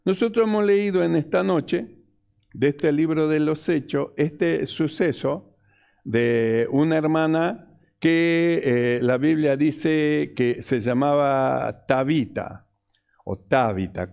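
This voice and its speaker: A man's voice: a little high, creaky, darkish tone, lo-fi sound. A male pastor, preaching a sermon emphatically and repeating his key phrases.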